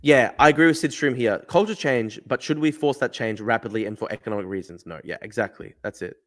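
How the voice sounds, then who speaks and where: Answering his chat on a casual livestream, a young male host speaks fast at medium pitch with a fairly bright tone. His manner is blunt and combative, full of swearing and repetition.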